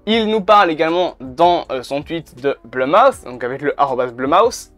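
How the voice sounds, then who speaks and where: A man's voice: on the high side, lively intonation, normal speed, a bit bright. A man, chatting casually and bluntly to camera, swearing now and then. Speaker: YouTuber. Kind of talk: casual video commentary. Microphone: camera mic. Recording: faint background music.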